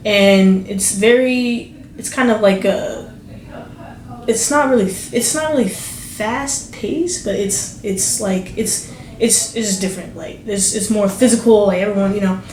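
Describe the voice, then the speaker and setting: A young woman from New Jersey talks through an interview, full of fillers and false starts. Her voice has a middle pitch. It carries some room echo with a faint hiss underneath. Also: a little slow, darkish tone. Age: young adult. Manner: rambling, many fillers and restarts. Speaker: basketball recruit. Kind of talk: casual interview.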